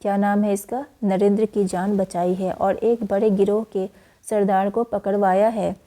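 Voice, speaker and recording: A woman's voice: medium pitch, level tone, moderate pace, mellow, natural voice. A woman reading the part of a heavy-voiced, kindly male police inspector in a school play. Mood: hearty. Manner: heavy voice, hearty praise.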